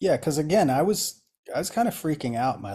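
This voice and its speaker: A man speaks in a dark, mellow tone that is somewhat breathy. The recording is very clean, with a silent background. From eastern Kentucky, Appalachia. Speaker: jazz saxophonist and music teacher. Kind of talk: interview conversation.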